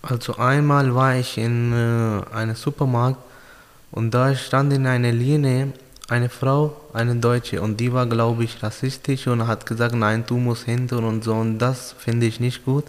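This young man from Pakistan, Urdu being his first language, answers interview questions slowly in halting, simple German with frequent pauses. He has a mid-range voice and a level tone, recorded in a large hall.

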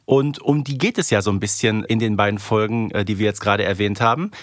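A man's voice: on the low side, fairly even intonation, fast, dry recording, clean studio sound. A man co-hosting a podcast, giving conversational commentary on audio dramas in a chatty, emphatic way. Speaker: podcast co-host.

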